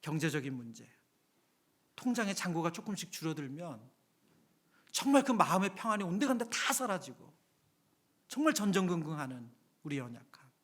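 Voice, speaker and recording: On a Friday evening in a church sanctuary, a pastor preaches in a high, bright, ringing voice, keeping things conversational and acting out everyday scenes. He moves from loud exclamations to hushed whispers with big pitch swings, talks a little fast, and takes long pauses.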